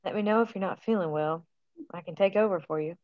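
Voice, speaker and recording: A woman reading the part of a gentle, caring woman who organizes a camp, at a table read. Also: fairly low pitch, quick pace, dull audio, lightly acted.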